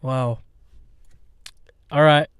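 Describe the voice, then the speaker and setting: A man's voice: medium pitch, steady tone, extremely slow, a crowd in the background. Chatty young man. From North London. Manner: easygoing, chatty, uses London slang. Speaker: podcast host. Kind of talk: casual banter.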